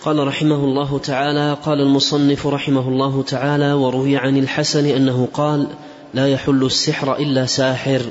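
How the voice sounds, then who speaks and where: Man reading old text out loud in class, monotone, careful with the vowel marks, muffled lo-fi audio. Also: medium pitch, brisk. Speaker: student reading the text aloud. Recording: dull lo-fi recording.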